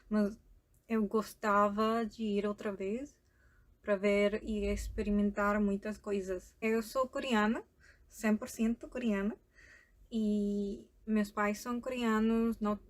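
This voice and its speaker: A young woman speaks slowly in a casual, unscripted vlog, often pausing to search for words and correct herself. Her accent blends European Portuguese with Spanish. Her voice sits at a medium pitch, and light laughs run through her speech. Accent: mixed European Portuguese and Spanish. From South America. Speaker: vlogger.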